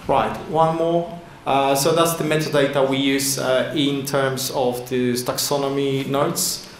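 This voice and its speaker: Brief: male conference presenter, mid-pitched, halting English with lots of fillers, lectern mic in an echoey hall with faint room noise. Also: little pitch movement. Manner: halting non-native English with many fillers and restarts. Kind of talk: conference talk with slides. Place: large indoor conference hall. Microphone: lectern microphone at a podium.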